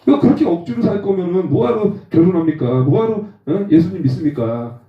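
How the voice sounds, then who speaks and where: A man in his forties preaching a testimony sermon, lively and acting out rough quarrels in slang. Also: sits high, brisk. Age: 40s. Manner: animated, acts out rough phone quarrels with slang. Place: church hall. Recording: roomy, distant, dull sound.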